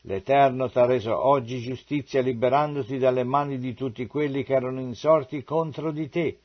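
A man's voice: mid-range voice, steady tone, moderate pace, lo-fi sound, natural voice. A man voicing a deferential royal courier. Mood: formal. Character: male foreign courier bringing news to a king.

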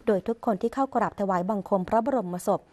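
Woman reading formal royal court news. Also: medium pitch. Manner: measured, formal and even. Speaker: news reader.

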